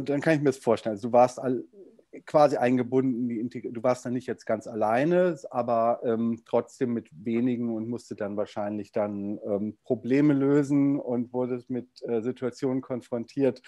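Male interviewer, halting and filler-heavy, mellow tone, dry close sound. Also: mid-range voice, no room sound. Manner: hesitant, many fillers and restarts. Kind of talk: casual interview.

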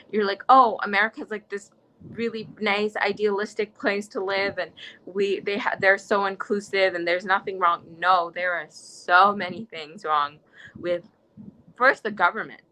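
A woman's voice: mid-range voice, bright, forceful tone, poor audio. A young woman from the United States speaking in an interview, earnest and impassioned, often restarting her sentences. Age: young adult. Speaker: interviewee, student. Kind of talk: conversational interview.

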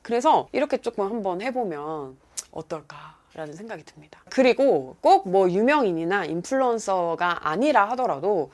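A woman's voice: mid-range voice, darkish tone. A woman in her thirties hosting a casual podcast chat, acting out quoted lines with big jumps in her voice and laughing often. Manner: frequent laughter. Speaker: podcast host.

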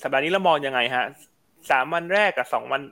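Fast, bright-voiced male show host. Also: medium pitch. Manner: chatty, upbeat, asks the audience to write in. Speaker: host of a live market show. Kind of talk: live stock market talk show.

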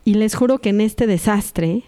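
Mexican woman in her 30s, warm mellow voice, chatty and animated, keeps asking her listeners "right?". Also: medium pitch, moderate pace, clear, resonant tone. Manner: animated, confiding, often asks "right?". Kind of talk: casual spiritual storytelling to an audience.

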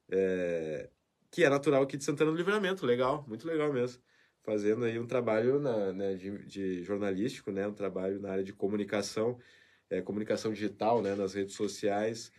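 A man's voice: lowish voice, a little fast. A man hosting a live show, reading viewer comments in a chatty, emotional way with frequent tag questions. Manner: emotional, warm farewell talk with frequent "né?". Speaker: host.

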